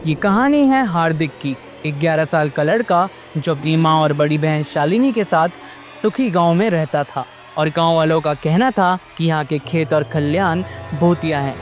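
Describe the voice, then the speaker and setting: A man narrating a scripted horror-fantasy story in a lively, dramatic way. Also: on the high side, normal speed, faint music behind.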